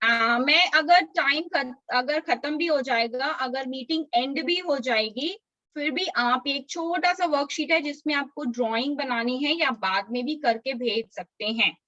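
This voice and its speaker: A woman's voice: sits high, sharp tone, no room sound, muffled recording. A woman teaching a Sunday school class for young children over a video call, coaxing them and drilling a verse line by line. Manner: coaxing, slow drilled recitation for small kids.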